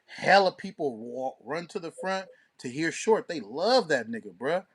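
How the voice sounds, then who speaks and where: A man's voice: fairly high pitch, animated, measured pace, slightly rough. A man co-hosting a casual podcast, talking in an opinionated, emphatic, slangy and profane way. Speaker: podcast co-host and DJ.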